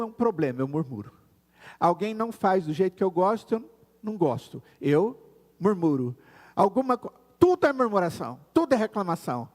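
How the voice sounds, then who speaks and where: High-pitched Brazilian pastor in a reverberant church. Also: male voice, a little mellow. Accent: Brazilian Portuguese. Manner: earnest preaching, slowing down to stress words. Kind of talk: sermon. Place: church sanctuary.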